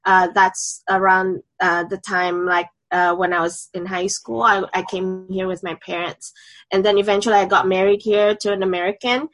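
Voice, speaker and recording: Woman from Indonesia, thirties, podcast guest, hesitant and halting. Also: medium pitch, flat delivery, fairly bright tone, rough recording. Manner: hesitant, with many filler sounds. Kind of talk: interview.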